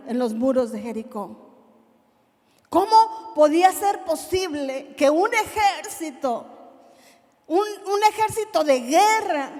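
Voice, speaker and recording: A woman with a Mexican Spanish accent preaching a sermon, impassioned, moving from hushed to loud. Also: high-pitched, long reverb tail.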